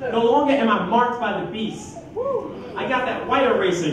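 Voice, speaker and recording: Amid noticeable background noise and strong room echo, a man with a high pitch speaks at a fairly quick pace. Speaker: spoken word poet. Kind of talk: spoken word poetry performance with religious content. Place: church.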